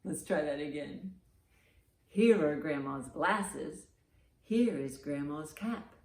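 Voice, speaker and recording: A woman hosting a children's storytime, reading aloud and reciting rhymes with expressive, deliberate emphasis. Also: deep voice. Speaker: library storytime host.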